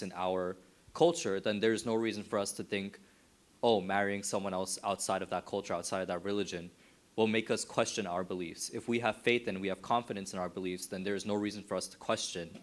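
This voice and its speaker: A man's voice: on the low side, fairly even intonation, a little fast. A young man with an American accent, a student earnestly giving his opinion at a youth dialogue. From United States. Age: young adult.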